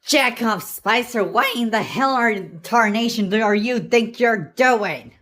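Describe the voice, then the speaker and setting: A woman's voice: on the high side, measured pace, fairly bright tone. A woman voicing a foul-mouthed, hostile, confrontational young heroine in a fan-made cartoon parody dub. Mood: angry. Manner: sweary, confrontational.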